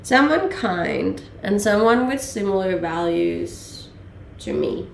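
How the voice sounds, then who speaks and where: A young woman from Denmark with a mixed Danish and Australian accent, chatting casually with stream viewers, relaxed and laughing, a little under the weather. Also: medium pitch, slow pace, creaky, reverberant, a little hiss or hum. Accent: Danish-Australian mix. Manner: relaxed, laughing, many fillers. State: a little sick. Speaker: livestreamer. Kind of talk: casual chat reading viewer questions.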